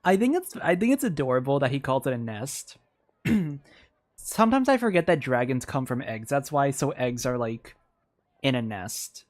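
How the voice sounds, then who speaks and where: Very low-pitched, excitable woman streamer. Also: normal speed. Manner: excitable, rambling, exclamatory. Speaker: game streamer. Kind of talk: casual livestream game commentary.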